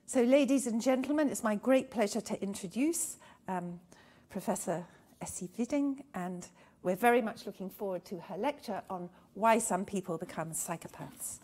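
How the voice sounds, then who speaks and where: A woman's voice: medium pitch, normal speed, darkish tone. Older woman giving a formal introduction. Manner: formal, reading a list of honours. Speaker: event host introducing the speaker. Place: large lecture hall.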